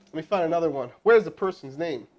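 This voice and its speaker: A man hosting a live stream as a sales trainer, energetic and casual, with chatty asides to his crew. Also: a little high, fast talker, highs cut off. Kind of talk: hyped live-stream coaching and cold calling. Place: indoor room with crew present.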